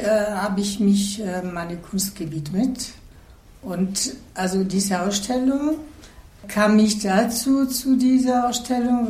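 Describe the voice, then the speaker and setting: A woman's voice: medium pitch, a little mellow. A woman from Italy, introducing herself as an artist with frequent hesitations. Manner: hesitant, with many fillers. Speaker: guest artist. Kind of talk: radio interview self-introduction. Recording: roomy echo.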